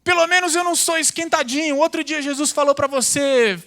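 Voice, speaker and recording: A preacher plays a pair of quarrelsome male disciples hurling petty insults at each other in a loud, high, mocking squabble. The voices rise and bite as each claims to be the greatest. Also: fairly quick, full character voice. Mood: squabbling.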